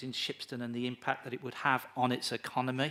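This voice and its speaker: A man speaks with a Birmingham accent at medium pitch. His tone comes across bright and sharp. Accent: Brummie. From Birmingham, England. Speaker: councillor. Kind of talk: council meeting.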